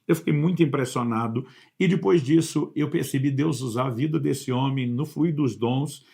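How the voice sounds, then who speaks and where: Gravelly-voiced preacher man. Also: medium pitch, moderate pace, dark tone. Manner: earnest storytelling, retells dialogues. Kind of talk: sermon.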